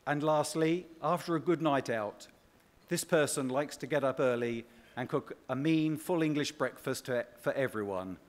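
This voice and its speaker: A man delivers a scripted ceremonial award speech as presenter, in measured phrases with dry humour. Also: mid-range voice. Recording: echoey hall reverb.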